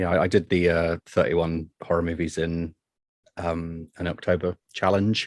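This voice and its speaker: A man with an English accent and a very deep, low pitch, speaking at a moderate pace in a flat monotone, with dry, close sound and no echo. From UK. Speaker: podcast co-host, horror writer. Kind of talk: casual chat.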